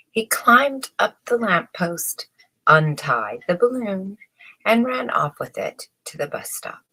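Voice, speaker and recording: Low-pitched, slow, husky woman storyteller. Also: fairly bright tone, poor audio. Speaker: storyteller reading a children's book aloud. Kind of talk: storybook narration.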